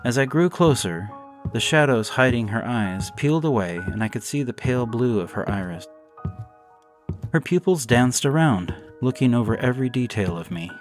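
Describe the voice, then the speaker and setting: A man narrating a first-person gothic horror story in a measured, solemn way, faint music underneath. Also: mid-range voice, animated.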